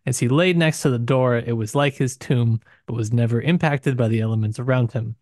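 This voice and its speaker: A man's voice: mid-range voice, fairly quick, darkish tone, dry recording, clean studio sound. A man co-hosting a podcast, talking casually and discursively about literature, with hedges and asides. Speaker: podcast co-host.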